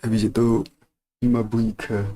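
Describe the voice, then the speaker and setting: A man's voice: lowish voice, completely flat delivery, a little slow, mellow. A man with an Indonesian accent making casual, slangy short remarks as he streams a game. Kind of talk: casual livestream reactions. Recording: game music behind voice.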